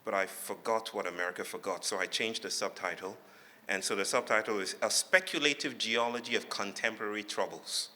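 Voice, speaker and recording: Bright-voiced Nigerian man in an echoey hall. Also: fairly low pitch, brisk. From Lagos, Nigeria. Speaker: guest speaker giving a lecture. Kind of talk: public talk, storytelling with humour. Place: large hall before an audience. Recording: echoey hall with long reverb.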